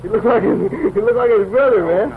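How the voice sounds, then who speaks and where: A jaded, dismissive policeman, played by an actor in a 1970s training film. His voice is high for a man and brusque, on a tinny, noisy old soundtrack. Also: brisk. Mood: scornful. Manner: brusque, profane. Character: jaded, gruff male beat cop, dismissive.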